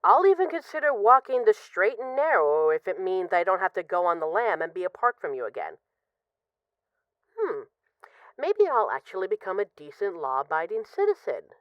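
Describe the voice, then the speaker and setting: A woman playing an apologetic, lovesick mafia boss who is guarded but vulnerable, speaking haltingly and confessionally in an intimate audio roleplay phone call. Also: medium pitch, sing-song, no echo, natural voice. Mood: tender, teasing. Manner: halting, confessional, with pauses and sighs.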